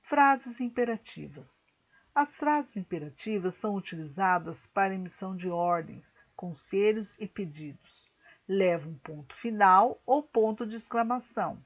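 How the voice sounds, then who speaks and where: Slow, careful Brazilian woman teacher. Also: medium pitch, animated, highs cut off. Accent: Brazilian Portuguese. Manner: slow, careful explanatory reading. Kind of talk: recorded online grammar lesson.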